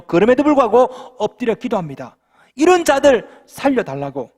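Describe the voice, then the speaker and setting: A male pastor giving a humorous, lively sermon full of rhetorical questions in a church. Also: high voice. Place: church sanctuary.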